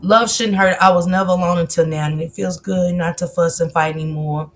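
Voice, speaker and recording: A woman's voice: fairly low pitch, fairly even intonation, a little fast. A woman, hosting a livestream and speaking candidly to viewers in casual, confessional chat. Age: 40s. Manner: candid, confessional, talks straight to viewers and calls them baby. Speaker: livestream host. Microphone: livestream mic.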